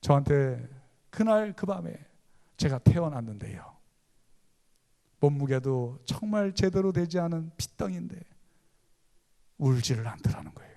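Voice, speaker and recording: A male pastor from Gangwon Province in Korea, preaching a sermon with animated, humorous storytelling. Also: a little high, unhurried, creaky, pauses often. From Gangwon Province, South Korea.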